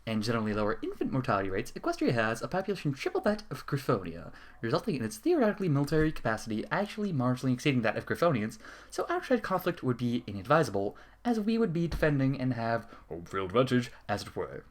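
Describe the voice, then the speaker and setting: Fast, very animated man reading aloud. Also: mid-range voice. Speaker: narrator. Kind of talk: dramatic reading of a fan fiction letter.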